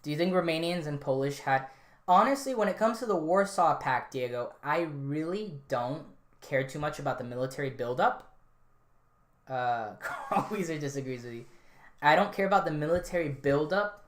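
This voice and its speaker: A man's voice: a little high, normal speed. A man hosting a podcast, chatting casually and answering a live chat, rambling with frequent ums and restarts. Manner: relaxed, rambling, many fillers and restarts. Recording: roomy echo.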